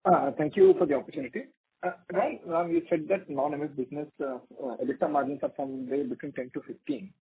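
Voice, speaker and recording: Indian analyst guy on the phone asking questions, raspy, repeats words, dry tinny line. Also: a little high, fast talker, no echo. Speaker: financial analyst caller. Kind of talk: asking questions on a conference call.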